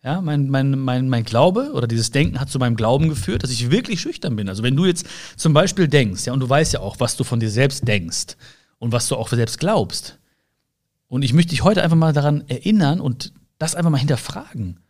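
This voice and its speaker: A man's voice: mid-range voice, expressive, brisk, darkish tone. A young man in an earnest, casual motivational talk, addressing the listener directly with rhetorical questions and frequent fillers. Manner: earnest, searching, many fillers and restarts. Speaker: personal development speaker.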